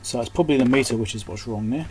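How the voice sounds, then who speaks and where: This is a male electronics repair technician and host talking very fast at a medium pitch, with background noise around him. Working indoors at his repair bench, he gives off-the-cuff repair commentary in short, muttered bits of thinking aloud.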